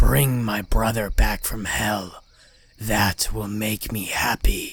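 Guttural and raspy, a put-on character voice moves at a very slow pace. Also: man, fairly low pitch for a man. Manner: menacing, demonic.

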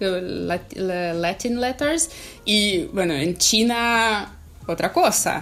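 A woman with a Russian accent and a fairly high pitch speaks with lively intonation over music in the background. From Russia, Saint Petersburg. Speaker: academic operations manager at a language school. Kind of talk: casual interview. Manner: halting, searching for words.

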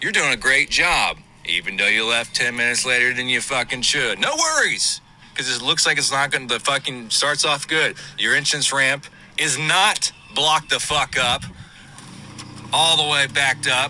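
Against noticeable background noise, a man talks in an animated tone at a moderate pace, his loudness very even. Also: fairly high pitch for a man. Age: 30s. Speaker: film professor. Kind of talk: recorded monologue while driving. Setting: in a car.

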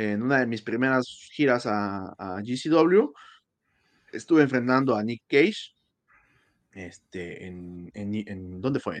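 Against a quiet background, a man of medium pitch talks very slowly with lively intonation and long, frequent pauses. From Mexico, Hidalgo (Santiago Tulantepec). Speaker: professional wrestler. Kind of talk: interview. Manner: halting, with frequent repetitions.

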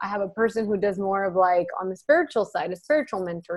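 Speaking at a fairly quick pace, a woman with a medium pitch talks in an American accent. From US, Los Angeles. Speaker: confidence coach. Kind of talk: interview.

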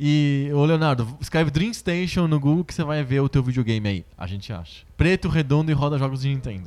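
An ordinary speaking voice from a man at fairly high pitch, with lively intonation, a fairly quick pace and hardly any pauses. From Brazil, São Paulo area (São Bernardo). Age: 30s. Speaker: podcast host. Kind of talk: casual chat.

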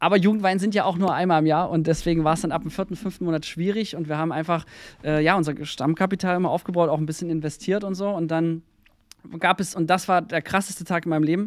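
This man's voice sits high in pitch and races at a very fast pace. His intonation stays fairly even on a very clean recording with a silent background. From Thuringia, Germany (Mühlhausen). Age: 20s. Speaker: film director and agency founder. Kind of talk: interview. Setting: cinema venue recording.

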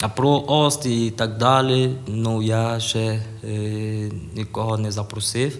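A man speaks with a Burkinabe accent in a fairly low pitch. His intonation stays monotone and flat. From Burkina Faso. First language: Mooré (speaking Ukrainian). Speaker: student video blogger. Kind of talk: interview. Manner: halting.

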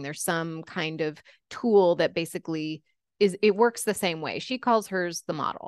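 A woman's ordinary speaking voice at medium pitch, moderate pace and ordinary pitch variation, in a dry, close sound with no echo against a quiet background. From California. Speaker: lawyer and coach. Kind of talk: casual interview chat.

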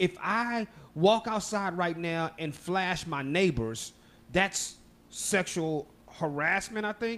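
In an American accent, a man with a high pitch speaks in an animated tone with ordinary pitch variation. The recording is very clean, with a silent background. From Texas. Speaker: podcast host. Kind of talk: casual chat. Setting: live stream.

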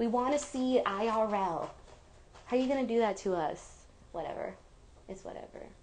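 In a room with audible echo, a woman speaks at a fairly high pitch and a moderate pace, with ordinary pitch variation, big swings in loudness and long, frequent pauses. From United States. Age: 20s. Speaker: book podcast co-host. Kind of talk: casual chat. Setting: livestream.

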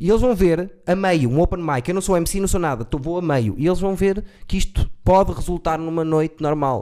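On a very clean recording with a silent background, a man with a high pitch speaks at a moderate pace with ordinary pitch variation and hardly any pauses. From Portugal, Santa Maria da Feira. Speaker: comedian. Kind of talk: casual chat.

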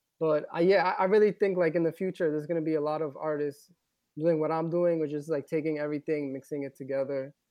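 An American-accented man talks at a very fast pace and a fairly high pitch, with fairly even intonation and big swings in loudness. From the Bronx, New York City. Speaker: DJ and producer. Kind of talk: interview. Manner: soft-spoken.

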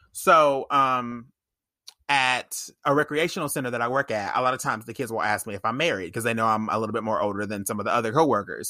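At a very fast pace, a man of medium pitch speaks in a bright, sharp tone on a very clean recording with a silent background. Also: ordinary pitch variation. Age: 20s. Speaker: voice teacher and podcast host. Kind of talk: casual chat.

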